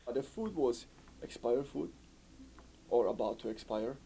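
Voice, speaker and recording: A man's voice: medium pitch, lively intonation, measured pace, creaky, warm tone, slight background noise. A man from Yugoslavia, recounting his story in an interview, talking fluently and saying "you know" often. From former Yugoslavia. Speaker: refugee interviewee. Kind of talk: recorded interview testimony.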